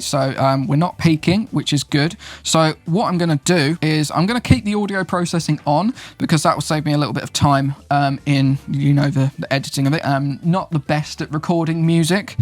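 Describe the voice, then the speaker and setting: A young man hosting his own channel, chatting casually and upbeat as he explains recording gear step by step. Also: fairly high pitch. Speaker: YouTube host, videographer and podcast producer. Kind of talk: casual gear tutorial to camera.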